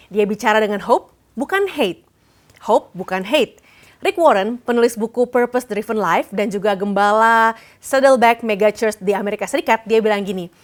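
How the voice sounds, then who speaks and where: A young woman with an Indonesian accent preaching a youth sermon, casual and lively, mixing in English phrases. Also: fairly high pitch.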